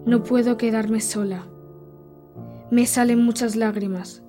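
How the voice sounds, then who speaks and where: A woman's voice: a little high, steady tone, measured pace. A woman reading a scripted first-person diary in the voice of a young girl, simple and intimate. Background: soft background music.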